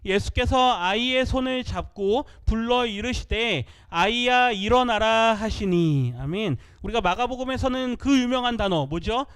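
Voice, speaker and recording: In church, a male pastor with a high voice gives a sermon, reading scripture aloud together with the congregation. He teaches by posing questions and then answering them himself. His delivery is smooth and moderately paced, with hardly any pauses.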